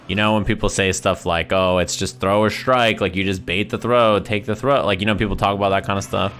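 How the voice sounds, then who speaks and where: This livestream commentator talks through a fighting game conversationally, his lowish voice a bit bright. Repetition drives his points home, and he keeps asking "right?"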